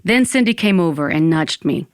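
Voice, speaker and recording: A woman's voice: on the low side, lively intonation, moderate pace, no echo, clean studio sound, close to an everyday voice. A woman playing a dramatic, dreamy young Latina who narrates her own story in an audio drama. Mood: wistful. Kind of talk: first-person scripted audio fiction narration.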